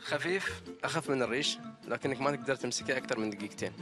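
A man's voice: medium pitch, rapid-fire. A young man with a Qatari accent presenting a TV quiz as host, speaking into a handheld microphone. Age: young adult. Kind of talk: street and studio quiz presenting. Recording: music behind the voice.

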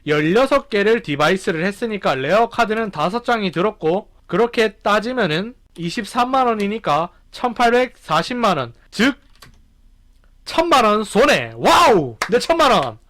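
A man giving excited commentary over his gameplay, counting down and exclaiming loudly as he goes. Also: high voice, normal speed. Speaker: gaming streamer.

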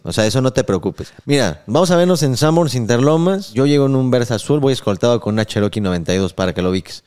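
A Mexican man in his thirties making a persuasive prank phone pitch into a close studio mic. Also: lively intonation, fast, darkish tone, clean tone. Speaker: prank caller and podcast host. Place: small indoor podcast studio. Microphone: close podcast mic on boom arm with headset.

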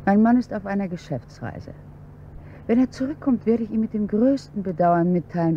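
An actress as an icy scheming wife. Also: female voice, on the low side, warm tone, muffled recording, a little hiss or hum, natural voice. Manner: curt, commanding, cutting. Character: cold scheming wealthy wife, woman. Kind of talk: radio play acting.

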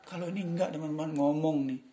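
A man's voice: a little high, steady tone, fast talker, dark tone. A middle-aged man teaching an English lesson in a casual, chatty way, often apologizing politely and using fillers. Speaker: English tutor.

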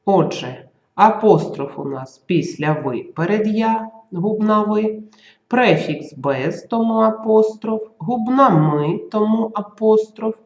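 A teacher giving a school grammar lesson, dictating slowly and carefully and sounding out letters and example words. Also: mid-range voice, lively intonation, darkish tone, roomy sound, highs cut off.

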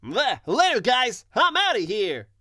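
Someone voicing a bright, cocky young hedgehog hero. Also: medium pitch, a little slow, no room sound, studio quality, exaggerated voice. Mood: cocky, excited. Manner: brash, breezy, energetic catchphrase delivery. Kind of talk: video game character voice demo.

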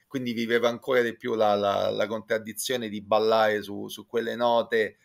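A man with a Roman accent giving an informal review as a guest commentator, reflective and halting, with wordy, erudite phrasing. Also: on the low side, level tone, gravelly. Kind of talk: informal spoken concert review. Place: indoor room with bookshelves. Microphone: video call, close to computer.

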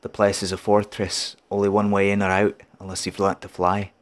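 A man voicing a gruff, seasoned military sniper captain from a video game, terse and commanding. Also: on the low side, completely flat delivery, moderate pace, natural voice. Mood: sombre. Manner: terse, commanding, dry-humoured. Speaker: amateur voice actor. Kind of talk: video game voice acting demo.

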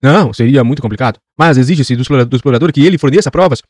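Guy doing a pompous old geographer, lectures away, quick dry audiobook voice. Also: mid-range voice, a little mellow, dry recording, natural voice. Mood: lecturing. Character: old man geographer, pedantic and self-important.

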